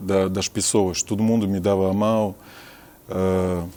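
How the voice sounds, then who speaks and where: With a Russian accent and a dark, mellow tone, a man speaks at a very slow pace. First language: Russian (speaking Portuguese). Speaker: recovering addict, former translator. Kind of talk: interview. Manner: halting, many fillers.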